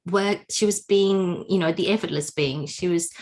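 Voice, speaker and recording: A woman's voice: on the low side, normal speed. A woman from Indonesia, telling her life story as an interview guest over a video call, searching for words with many fillers. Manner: warm, searching for words, frequent laughs and fillers.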